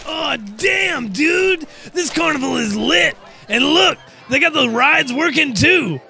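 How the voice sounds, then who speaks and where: An actor playing a crude, rowdy young dude with excitable, slangy bro talk. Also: male voice, very high-pitched, takes it slowly, creaky, soft background music, exaggerated voice. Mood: rowdy excitement.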